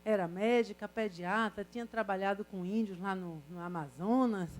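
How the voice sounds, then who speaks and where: A woman's voice: medium pitch, normal speed, slight background noise. An older woman professor, lecturing a class in a chatty way, full of rhetorical questions and stories. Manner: conversational, asks students rhetorical questions. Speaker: university professor.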